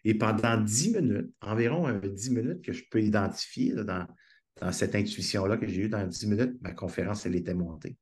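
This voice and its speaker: A man's voice: lowish voice, fairly quick, a little mellow. A man with a Québécois French accent, a guest speaker telling stories in a conversational interview, earnest and enthusiastic, on a video call.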